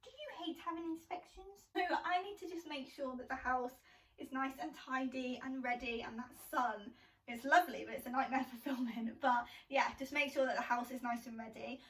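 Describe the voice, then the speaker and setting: A woman's voice: high voice, steady tone, normal speed, a bit bright. A young British woman vlogging at home, talking to viewers in a chatty, self-deprecating way and laughing often. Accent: British English. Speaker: lifestyle vlogger. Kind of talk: casual chatty vlog. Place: at home indoors, kitchen. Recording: echoey room, voice a bit distant from the camera.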